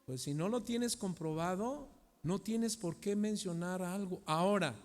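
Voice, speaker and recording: A middle-aged Mexican pastor preaching a sermon, asking the congregation questions and moving between loud and hushed delivery. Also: male voice, high-pitched, a little slow. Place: church hall. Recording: long church hall reverb.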